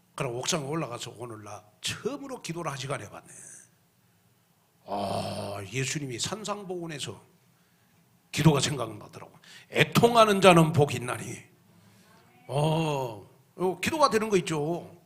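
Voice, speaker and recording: A man with a fairly high pitch keeps a moderate pace but leaves long, frequent pauses, and audible room echo surrounds him. His animated tone brings very wide pitch swings and big swings in loudness. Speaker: pastor. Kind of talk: sermon. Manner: animated, conversational.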